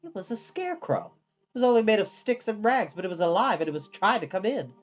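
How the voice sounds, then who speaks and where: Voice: medium pitch, sing-song, fast talker, dull audio, faint music behind. A storyteller reading a fantasy novel aloud as scripted storybook narration.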